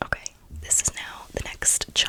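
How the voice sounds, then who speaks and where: A woman whispers at a fairly slow pace. Background noise is noticeable. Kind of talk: ASMR fun-facts reading, casual talk to camera. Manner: whispered.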